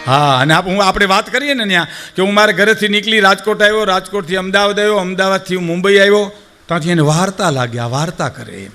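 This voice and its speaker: Older male folk raconteur, Saurashtra Gujarati accent, high-pitched and animated, plays the people he quotes. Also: quick pace, faint music behind. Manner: animated, acts out quoted speakers, addresses audience as sir. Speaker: folk storyteller. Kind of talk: dayro storytelling to a live audience.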